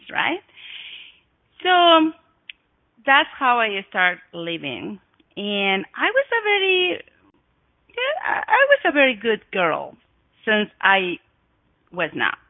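Mexican lady host, slow and swoopy, gushing, sounds like a dry phone line. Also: mid-range voice, no echo. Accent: Mexican Spanish. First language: Spanish. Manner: effusive, breathy gasps, swooping emphasis. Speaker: podcast host. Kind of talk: personal storytelling to listeners.

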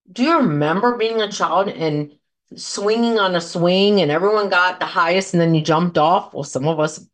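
A woman in her fifties hosting a solo podcast, talking casually and encouragingly, rambling through anecdotes and asides to her listeners. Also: mid-range voice. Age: 50s. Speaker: podcast host and coach.

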